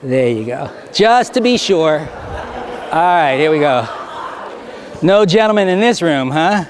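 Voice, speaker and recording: A man's voice: on the high side, animated, slow pace, a crowd in the background. A man performing as a stage hypnotist, giving rhythmic, repetitive commands to volunteers in front of a live audience. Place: theater stage before an audience. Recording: live show with audience and noise.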